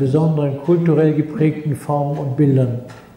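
This is a man speaking. Room echo is audible around his voice. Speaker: event moderator. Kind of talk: formal welcome and moderation. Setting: stage with audience. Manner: formal. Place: hall. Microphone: handheld.

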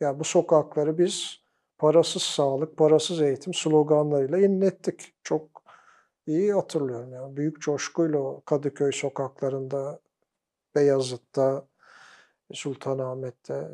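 A man talks fairly slowly with a dark, mellow tone. His intonation stays fairly even against a quiet background. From Turkey, grew up in several cities, finished school in Adana; Turkey. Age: 50s. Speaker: oral history interviewee, academic and former student activist; interviewee. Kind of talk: oral history interview. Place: studio. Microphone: lapel.

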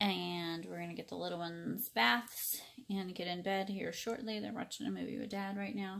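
A woman speaking at a moderate pace with lively intonation. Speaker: homeschooling parent vlogger. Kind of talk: casual vlog chat. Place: home room. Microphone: phone near.

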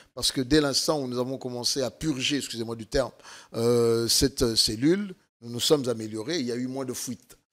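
The background stays quiet. A male speaker goes at a fairly quick pace, his pitch varying in an ordinary way. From DR Congo, Kasai-Central (Kananga); Kasai-Central, DR Congo. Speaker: former presidential press adviser; guest. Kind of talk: political talk-show interview. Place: studio. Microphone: studio mic.

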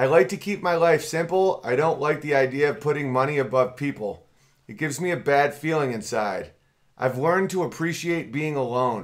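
A man talks at a fairly quick pace. His pitch sits fairly high for a man. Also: ordinary pitch variation, quiet background. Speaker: comedian and pianist hosting a live stream. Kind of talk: casual live-stream chat with commentary. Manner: animated. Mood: opinionated, fairly calm. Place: home room. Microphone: webcam.

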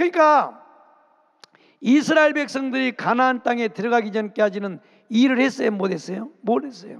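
Here a man speaks at an extremely high pitch. His intonation is lively. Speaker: pastor. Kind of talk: sermon. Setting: church. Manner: animated.

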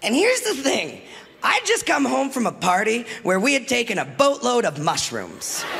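A man's raised, projected voice with very wide pitch swings over light background noise. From Canada. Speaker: comedian. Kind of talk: stand-up. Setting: stage with audience. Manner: animated. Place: stage. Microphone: handheld.

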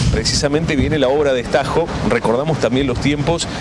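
A man speaks with ordinary pitch variation, the sound dry with no echo. Loud background noise fills the clip. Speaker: TV field reporter. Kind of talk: live news report. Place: street. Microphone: handheld.

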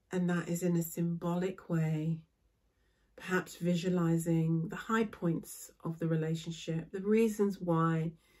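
A woman's fairly low, dark and mellow voice, soothing and warm in tone, at a fairly slow pace. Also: quiet background. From New Zealand. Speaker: spiritual tarot channel host. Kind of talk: gentle guided candle-gazing meditation with breathing cues. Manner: slow, soothing, hushed pacing; warm, reassuring and intimate. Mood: calm, soothing, gentle. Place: home room.

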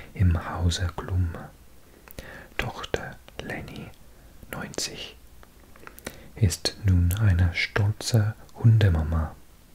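Very slowly, with long, frequent pauses, a man speaks in a very deep, low voice with a non-native accent. His intonation is fairly even, with light background noise behind him. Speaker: ASMR creator. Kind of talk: magazine reading. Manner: soft-spoken, sometimes whispered. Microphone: studio mic.

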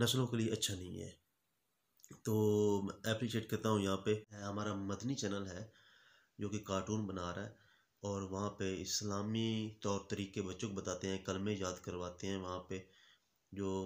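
Speaking at a fairly slow pace, a man delivers his words in a flat monotone with long, frequent pauses. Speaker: commentator. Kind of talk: opinion commentary to camera. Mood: earnest, advising. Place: home room. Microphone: lapel.

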